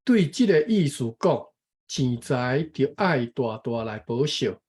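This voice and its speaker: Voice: medium pitch, expressive, slow pace, darkish tone, slightly rough. A speaker from Taiwan reading a text aloud and explaining it, careful and correcting pronunciation syllable by syllable. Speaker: co-host and reading teacher.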